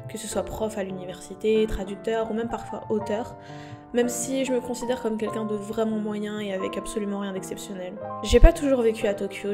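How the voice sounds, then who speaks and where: A woman's voice: mid-range voice, close to an everyday voice. A woman voicing an ordinary man in his thirties, a passive and self-deprecating intellectual, telling his story in a matter-of-fact way. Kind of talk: scripted narration. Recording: music clearly behind the voice. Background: music.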